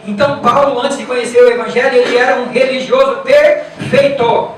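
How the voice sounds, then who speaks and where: Brazilian pastor preaching, lots of repeating and questions to the crowd, voice far off in a big echoey church. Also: male voice, extremely high pitch, fairly even intonation, brisk, background noise. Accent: Brazilian Portuguese. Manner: emphatic, repetitive, asks the congregation rhetorical questions. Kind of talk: sermon. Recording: echoey church from afar with music.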